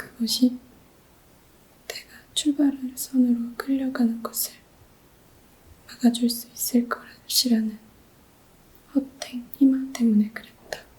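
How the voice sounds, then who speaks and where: A soft-spoken woman whispers at a very slow pace, leaving long, frequent pauses. Her loudness swings widely. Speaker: ASMR reader. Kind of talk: book reading ASMR, whispered. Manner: whispering, soft.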